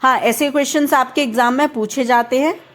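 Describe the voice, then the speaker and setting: A young woman from India with a high voice teaches a reasoning lesson. She works through each question step by step and keeps checking whether the viewer is following. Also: steady tone, a little fast, a bit bright. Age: young adult.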